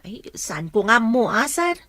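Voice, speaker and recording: A woman's voice: on the high side, sing-song, measured pace, bright, forceful tone, no echo, full character voice. A Filipino woman playing a gossipy, resentful house helper in a radio drama, grumbling as she talks. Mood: evasive, deferential. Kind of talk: Ilocano radio drama acting.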